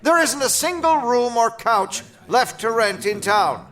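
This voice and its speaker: An actor playing a brash, dismissive small-town tourism booster in an audio drama, speaking emphatically. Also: male voice, very high voice, animated, unhurried, fairly bright tone, full character voice. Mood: excited, insistent.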